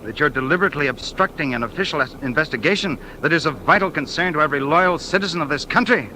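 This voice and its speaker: An actor playing an arrogant, unyielding political investigator in a 1950s radio drama, talking in a cold and domineering way. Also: male voice, on the high side, quick pace, bright, forceful tone, poor audio. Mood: menacing. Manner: cold and domineering, rising to fervor. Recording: faint hiss of an old radio broadcast.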